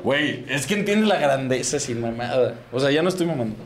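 A man's voice: medium pitch, lively intonation, brisk, heavy background noise. A young man with a Mexican Spanish accent, co-hosting a casual sports podcast, joking and laughing while he talks. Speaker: podcast co-host. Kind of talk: casual banter among friends. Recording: echoey room with faint ambience.

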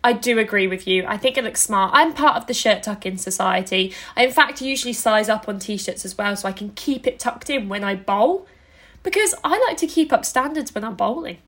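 A woman co-hosting a casual sports podcast in a teasing, animated way. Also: mid-range voice, a little fast. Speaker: podcast co-host.

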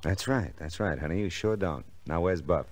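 A man's voice: deep voice, expressive, normal speed, no room sound. An actor playing a hard-boiled, wisecracking private eye in old radio detective drama, wry and laconic as he narrates and needles people. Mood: cool, needling. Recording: old radio recording with music underscore.

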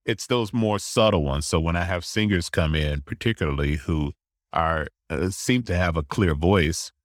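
Deep-voiced man explaining clinical work. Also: dry recording, studio quality. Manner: measured, explanatory, acts out patient quotes. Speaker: voice specialist clinician. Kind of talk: interview answers, explanatory.

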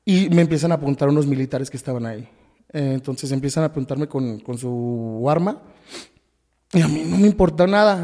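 A man with a Mexican Spanish accent, a podcast guest telling a painful personal story, halting, with frequent restarts and repetitions. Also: a little high, mellow, long reverb tail.

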